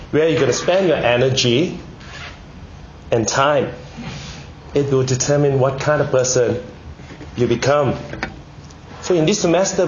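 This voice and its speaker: A man with a Malaysian accent, recovering from a cold, giving a prepared Christian talk in measured short phrases with rhetorical questions. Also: on the high side. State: recovering from a bad cold, one ear blocked. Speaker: speaker at a Christian public talk. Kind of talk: prepared sermon-like talk to students. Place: indoor room, speaking to an audience. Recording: echoey room, dull sound, faint noise.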